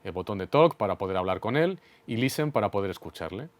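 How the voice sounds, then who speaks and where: A man's voice: lowish voice, animated, quick pace, dry recording. Methodical Spanish man instructing, dry sound. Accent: Spain Spanish. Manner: clear, methodical, didactic. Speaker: instructor explaining studio equipment. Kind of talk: instructional demonstration.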